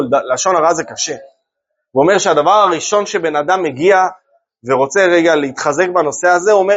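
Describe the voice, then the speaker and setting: A man teaching a religious class to a group, lively and often asking his listeners rhetorical questions. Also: high-pitched, highs cut off. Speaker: Torah teacher.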